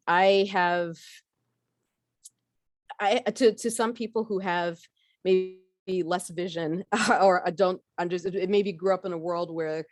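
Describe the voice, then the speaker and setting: A woman's voice: lowish voice, a little mellow, no room sound, clean studio sound. A middle-aged woman from Barbados giving a conversational workshop talk about her background, with frequent fillers and restarts. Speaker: workshop speaker.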